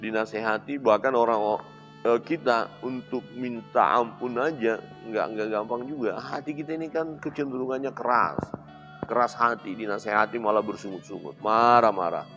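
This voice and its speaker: Man, pastor, animated preaching that swings between loud and quiet, faint music underneath. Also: moderate pace, highs cut off. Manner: animated preaching, acting out quoted voices with big swings in pitch and loudness. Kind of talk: sermon.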